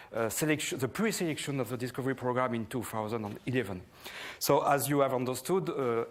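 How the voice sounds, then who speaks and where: A man with a French accent, a project manager speaking at a science press briefing, hesitant with many fillers. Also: mid-range voice. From France. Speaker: project manager of a space instrument.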